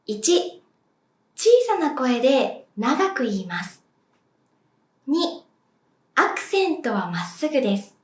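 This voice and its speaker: A woman teaching as a language teacher, speaking clearly and deliberately and demonstrating sounds for viewers to repeat. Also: high-pitched, very animated. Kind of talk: slow, clear pronunciation lesson. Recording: echoey room.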